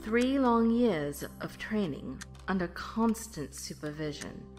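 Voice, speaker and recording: A woman playing a stern, dignified mage mentor in an audio drama, formal, measured and authoritative. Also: mid-range voice, lively intonation, darkish tone, soft background music.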